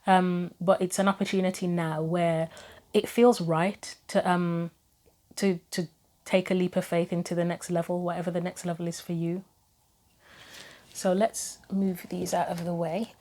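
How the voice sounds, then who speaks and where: Casually reading tarot on the channel she hosts, a woman reasons aloud through the options. She speaks at a normal speed in a lowish, mellow voice with little pitch movement. Her throat is a bit troubled and her voice is beginning to go.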